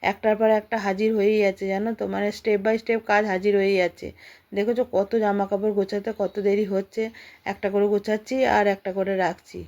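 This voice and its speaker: A middle-aged housewife with an Indian Bengali accent chats casually to viewers in a home vlog, repeating herself and peppering listeners with rhetorical questions. Her medium-pitched voice is flat, fast and darkish. The audio sounds dull.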